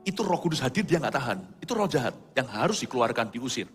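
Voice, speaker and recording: A middle-aged male pastor telling a testimony in a sermon, with vivid storytelling and sudden quiet asides. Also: mid-range voice, big pitch swings, quick pace. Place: large church hall. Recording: reverberant church hall, soft music behind.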